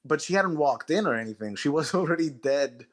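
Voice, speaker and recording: A man's voice: on the high side, lively intonation, a little fast. A man speaking as a guest author in a casual, conversational interview.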